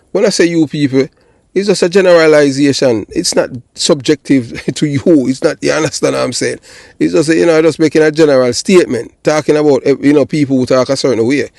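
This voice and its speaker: A Jamaican man in his fifties hosting a casual conversation. His mid-pitched voice comes through dry and close. He repeats himself for emphasis and keeps checking that he is understood. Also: vocal fry, dark tone, no room sound. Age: 50s. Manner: repetitive, emphatic, asks for confirmation. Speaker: online show host. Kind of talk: casual phone conversation and commentary.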